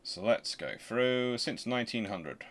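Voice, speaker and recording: A man hosting a history channel, explaining informally and thinking aloud in a halting, conversational way. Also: mid-range voice, animated, fairly bright tone. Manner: conversational, halting, muttering to himself while working.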